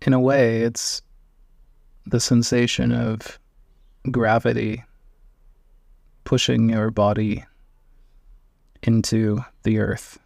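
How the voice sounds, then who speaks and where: A man guiding a meditation, giving gentle invitations with long pauses between phrases. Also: mid-range voice, flat delivery, creaky, no echo, studio quality. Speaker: meditation guide. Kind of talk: guided meditation.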